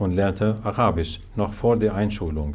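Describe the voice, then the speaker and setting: A man's dark, mellow voice with a Kurdish accent, fairly even intonation and audible room echo. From Syria (Aleppo), Kurdish. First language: Kurdish (speaking German). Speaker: author. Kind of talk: reading aloud. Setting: stage with audience.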